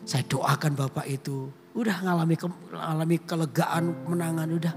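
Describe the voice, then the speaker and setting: A man's voice: on the high side, flat delivery, moderate pace. A male pastor preaching a sermon in a conversational storytelling way, often turning to the congregation directly. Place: church auditorium. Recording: reverberant church hall with instrument music.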